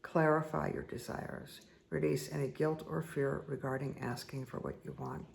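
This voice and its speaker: Hoarse middle-aged woman, heavy vocal fry, slow repetitive spiritual card-reading delivery. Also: low-pitched, steady tone, a little mellow. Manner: slow, soothing, repetitive guidance with asides. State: hoarse, croaky voice. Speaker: spiritual reader and meditation guide. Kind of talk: casual spoken card reading.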